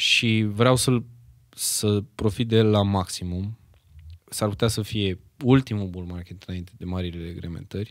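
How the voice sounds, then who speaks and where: Fairly low in pitch and fairly slow, a man with an unremarkable speaking voice shows big swings in loudness in a very clean recording with a silent background. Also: fairly even intonation. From Romania, Bucharest. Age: 30s. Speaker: crypto trader. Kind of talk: podcast interview.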